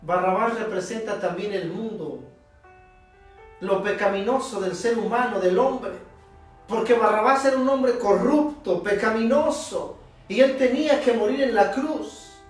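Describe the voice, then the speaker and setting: A man preaching a sermon as pastor, emphatic and leaning on long pauses. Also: high voice. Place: church sanctuary. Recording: echoey church, distant mic, soft instrumental music.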